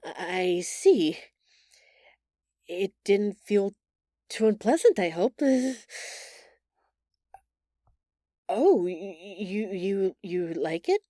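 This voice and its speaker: A woman acts out a gentle female alien, shy and eager to please, in an intimate audio drama. She speaks slowly at a medium pitch, hesitating and stumbling over her words with earnest, apologetic care. The sound is very dry, with no room around it. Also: very animated, no room sound. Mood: flustered, pleased. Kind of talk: intimate scripted audio roleplay.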